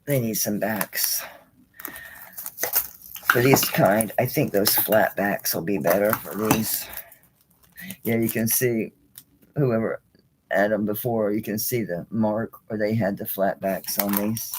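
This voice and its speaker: A woman's voice: very deep voice, takes it slowly, long pauses, noisy background. A woman hosting a live jewelry auction in a chatty, casual way, laughing often and talking to herself as she handles items. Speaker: online jewelry seller.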